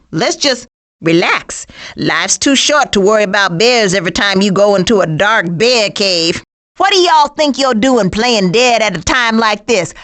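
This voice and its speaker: Casting: streetwise female skunk for animated game, American, sassy and punchy, high register, very lively intonation. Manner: sassy, slangy, emphatic delivery. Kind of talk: animated video game voice lines.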